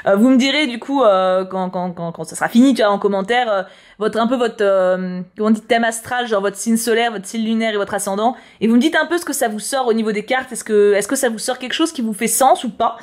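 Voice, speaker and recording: A woman's voice: on the high side, a little fast. A woman chatting casually as she reads tarot horoscopes, slangy and prone to repeating words. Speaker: YouTuber reading tarot horoscopes. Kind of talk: casual chat.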